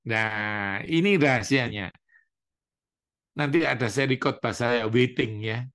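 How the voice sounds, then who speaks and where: A male pastor preaches at an unhurried pace, leaning on each phrase. His delivery is animated, and he jumps into raised voices to play out his congregants' complaints before answering them. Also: mid-range voice. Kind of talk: sermon.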